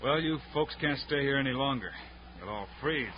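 A man playing a steady, decisive frontier lawman hero in an old radio western, firm and plain-spoken. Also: medium pitch, normal speed, natural voice. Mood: resolute. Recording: noisy, muffled vintage radio recording.

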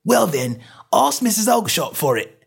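A man voicing an angry male market salesman who shouts and threatens. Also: sits high, sing-song, unhurried, voice pushed up, exaggerated voice. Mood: dismissive. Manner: shouting, gruff.

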